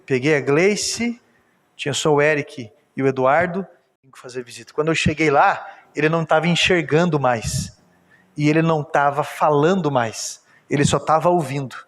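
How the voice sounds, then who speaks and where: Brazilian pastor guy preaching, kinda high voice, church echo all around, storytelling then fired up. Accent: Brazilian Portuguese. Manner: storytelling testimony, rising to emphatic exhortation. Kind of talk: sermon. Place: church sanctuary. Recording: church hall reverb.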